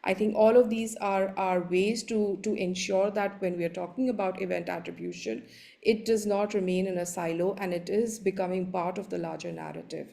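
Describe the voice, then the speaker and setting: A woman with an Indian accent, a native Hindi speaker, giving an explanatory conference presentation in a halting way, often repeating words. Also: medium pitch, steady tone, gravelly, warm tone. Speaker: panelist giving a slide presentation.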